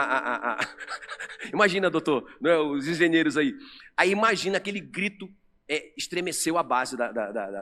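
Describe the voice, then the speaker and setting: A man with a Brazilian Portuguese accent preaching an animated sermon to a congregation in a church. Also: high voice. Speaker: pastor. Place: church sanctuary. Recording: long church reverb with music under.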